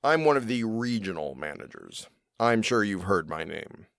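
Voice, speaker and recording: Smug male regional manager for audio drama: formal, quietly menacing, animated pitch, dry close sound. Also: normal speed, vocal fry, dry recording, full character voice. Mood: politely menacing.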